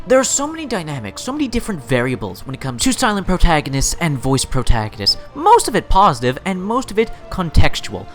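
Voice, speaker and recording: A man with a fairly high voice and very lively, swinging intonation delivers opinion commentary as a show host. He leans hard on key words and stacks phrases for emphasis, with light music behind him. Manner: emphatic, repeats and builds phrases for stress.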